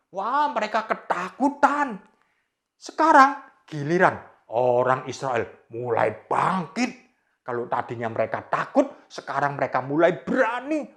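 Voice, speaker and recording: A woman teaching a Sunday school class, telling a Bible story to children with dramatic exclamations. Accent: Indonesian. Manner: dramatic, exclaiming, swooping pitch.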